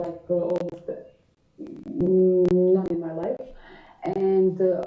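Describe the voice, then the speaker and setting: Music in the background and audible room echo surround a woman speaking at a very slow pace with ordinary pitch variation. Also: medium pitch for a woman. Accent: non-native. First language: not English. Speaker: anxiety sufferer asking a question. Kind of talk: live Q&A. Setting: livestream. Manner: halting, many fillers.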